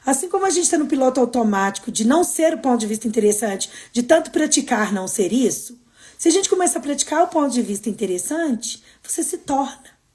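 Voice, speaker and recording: Brazilian woman live-stream host, high register, expressive motivational chat. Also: quick pace. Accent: Brazilian Portuguese. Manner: expressive, swings between emphatic and soft. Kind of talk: casual motivational live talk.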